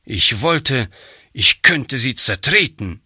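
A man's voice: medium pitch, big pitch swings, slow pace, bright, forceful tone, slightly rough, dry recording, studio quality, exaggerated voice. A man reading a storybook aloud, voicing a surly, defiant one-legged boy who grumbles bitterly. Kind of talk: audiobook reading.

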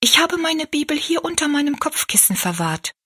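Woman voicing a pious little girl, bright and high. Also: very animated, normal speed, heavily acted. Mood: earnest. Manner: eager, sincere questioning. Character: earnest pious little girl, gentle and curious.

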